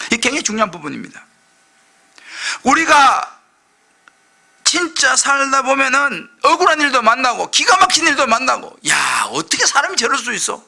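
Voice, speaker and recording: A middle-aged male pastor preaching a sermon, impassioned, swinging from loud outbursts to hushed asides. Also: very high voice, vocal fry. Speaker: senior pastor.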